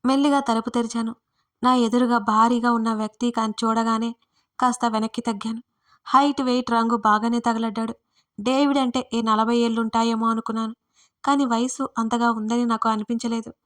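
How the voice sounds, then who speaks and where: A woman author narrating her own first-person audio story in a steady, scripted storytelling delivery. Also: a little high, a little fast.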